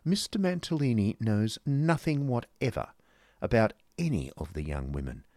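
A man's voice: medium pitch, very animated, moderate pace, darkish tone, no echo, studio quality, voice pushed up, natural voice. A man voicing a haughty, businesslike married woman with a genteel, reproving manner in a storybook reading. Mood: brisk, firm.

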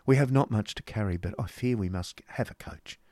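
A man voicing a gentle young Victorian woman with a courteous, tentative manner. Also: on the low side, a little fast, dry recording, clean studio sound, lightly acted. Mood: polite.

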